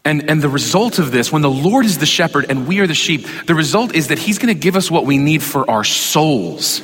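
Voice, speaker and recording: A man's voice: a little high, expressive, a little fast, fairly bright tone. A man preaching a sermon as a pastor, talking in a loose, joking, conversational way straight to the congregation. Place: church sanctuary. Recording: long reverb of a church hall.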